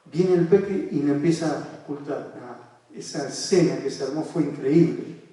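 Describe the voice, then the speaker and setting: A man's voice: fairly high pitch, moderate pace, dark tone. A man with an Argentine accent, a psychoanalyst giving a seminar talk, telling case stories animatedly and asking the audience rhetorical questions. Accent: Argentine Spanish. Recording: echoey room, voice from far off the mic.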